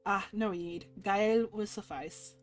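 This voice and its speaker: A woman voicing a polite, gentle, earnest gentleman from a visual novel in careful formal speech, over music. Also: mid-range voice, slow, natural voice. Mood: courteous. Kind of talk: visual novel character reading. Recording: music playing underneath.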